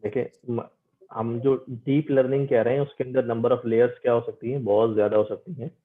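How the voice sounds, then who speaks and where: A man's voice: mid-range voice, little pitch movement, normal speed. South asian guy teaching online, explains stuff step by step, thin phone-like audio. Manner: explanatory, repeats points, mixes in English terms. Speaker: teacher giving an online class. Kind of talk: lecture, reading English text slowly and explaining it. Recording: narrow, tinny online-call audio.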